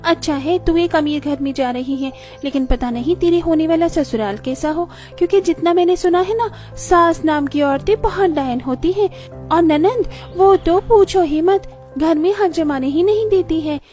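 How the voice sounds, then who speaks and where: A woman voicing a nosy, gossipy young neighbor girl in an animated story, chattering in a mock-pitying way. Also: very high voice, moderate pace, faint music behind.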